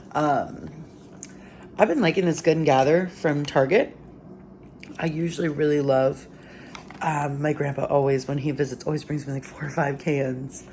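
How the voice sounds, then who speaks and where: A woman's voice: sits low, slight background noise. A sleepy young woman chatting rambly in a home vlog, with lots of fillers, from her kitchen early in the morning. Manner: chatty and rambling, many fillers, soft-spoken at times while the baby sleeps. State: sleepy, yawning. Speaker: vlogger, mother of several children. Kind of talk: casual home vlog chat.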